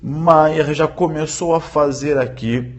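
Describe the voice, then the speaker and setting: A man giving a live-streamed law lecture, often checking in with viewers and repeating key points slowly for emphasis. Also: a little high, fairly even intonation. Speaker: law teacher.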